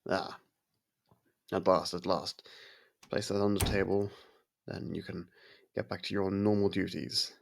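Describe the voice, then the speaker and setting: A man playing a courteous, brooding vampire in an intimate ASMR audio roleplay, with a gravelly, husky voice and halting, hushed delivery. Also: sits low, little pitch movement. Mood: commanding. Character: brooding male vampire, courteous, softened toward a human. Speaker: voice actor.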